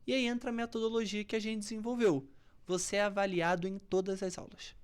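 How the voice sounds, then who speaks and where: A Brazilian woman explaining public speaking as a coach in a podcast interview, very expressive, swinging from firm, loud emphasis to soft near-whispers to show tone of voice. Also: medium pitch, brisk, clean tone.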